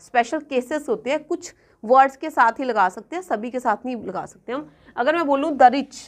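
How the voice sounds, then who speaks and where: Brief: woman exam-coaching teacher, somewhat high voice, patient repeated examples. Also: expressive. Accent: Punjabi-influenced Hindi-English. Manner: checks in often with students, repeating examples slowly. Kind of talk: classroom grammar lesson.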